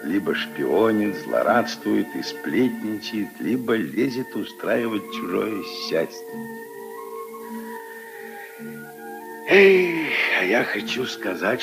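An actor playing an old retired general, a gruff but kindly grandfather figure who reminisces and grumbles wryly, in a 1950s radio play. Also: on the low side, expressive, takes it slowly, few pauses, over music, exaggerated voice. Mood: wry grumbling. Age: older. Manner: wry, reminiscing, grumbling storyteller.

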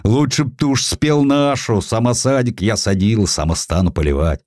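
A man's voice: medium pitch, normal speed, darkish tone, no echo, clean studio sound, lightly acted. A man voicing a paternal, pitying police officer with a soulful, folksy manner in a historical audio drama.

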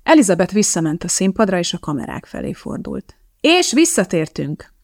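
A woman narrating an audiobook in a steady, even storytelling manner. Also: lowish voice, no room sound, studio quality.

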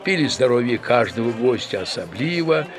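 A man narrating a literary radio play in a measured, expressive storytelling manner. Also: mid-range voice, close to an everyday voice.

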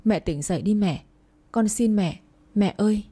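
A woman voicing a grieving young girl who shouts and sobs at the adults around her. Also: mid-range voice, normal speed, slightly rough, close to an everyday voice. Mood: sobbing. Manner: pleading, crying outbursts.

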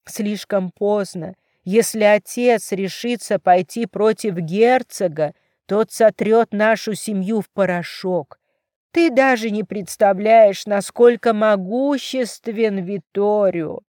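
A woman reading the part of an anxious middle-aged mother with a soft, faltering voice, in a dry recording. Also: mid-range voice, slow pace, no echo, lightly acted. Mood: bitter, anxious.

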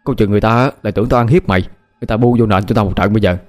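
A man voicing an exasperated young man who scolds his best friend loudly. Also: fairly low pitch, racing, faint music behind, natural voice.

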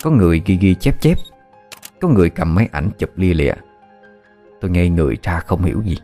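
A man reading a scripted horror story in a steady, somber way. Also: deep voice, fast, soft background music.

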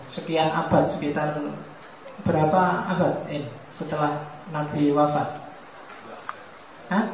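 A man's voice: on the high side, slight background noise. Man lecturing in an echoey hall. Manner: relaxed, joking, questions the audience. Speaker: philosophy lecturer. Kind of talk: religious study lecture. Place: mosque hall. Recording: echoey hall, distant mic, muffled.

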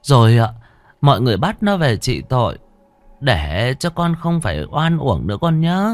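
A man's voice: medium pitch, wildly swooping pitch, moderate pace, no echo, soft background music, voice pushed up. A man doing a honeyed, coaxing rich lady. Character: sweet-talking wealthy older village lady.

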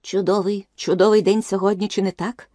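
A woman voicing a timid, fussy male white rabbit courtier who talks in a hushed, nervous half-whisper. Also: medium pitch, flat delivery, brisk, dry recording, studio quality, lightly acted.

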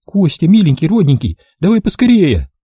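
A male narrator voicing a hysterical young woman who squeals, scolds and pleads in a shrill voice. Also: huge pitch swings, normal speed, husky, no room sound, highs cut off, full character voice. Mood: pleading.

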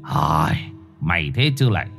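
Man playing a deep, husky old dog, unhurried and matter-of-fact, over soft music. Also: very animated, heavily acted. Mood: calm. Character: calm, gruff, worldly old male dog. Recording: faint music behind.

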